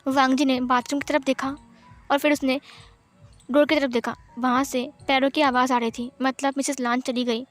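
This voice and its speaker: A woman's voice: high-pitched, little pitch movement, moderate pace, soft background music. A woman narrating a fan fiction story in a plain retelling style, with many speech tags.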